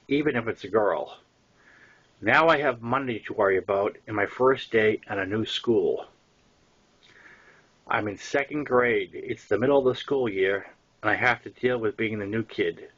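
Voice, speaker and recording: An older man with a Boston accent and a husky voice, reading his own first-person story as an audiobook narration. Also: medium pitch, moderate pace, a bit bright, highs cut off.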